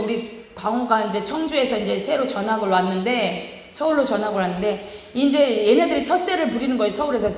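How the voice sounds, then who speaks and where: A woman pastor giving a sermon, quoting scripture and retelling a family story in animated quoted voices. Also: on the high side. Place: church. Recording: echoey church hall.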